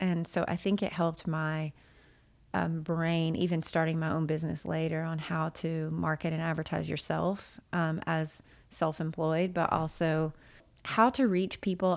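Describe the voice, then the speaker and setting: Speech in a Southern US accent comes at a fairly slow pace with monotone, flat intonation on a very clean recording with a silent background. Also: woman. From Arkansas (Jonesboro). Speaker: emotion code practitioner and yoga instructor. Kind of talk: casual interview; guided breathing instruction.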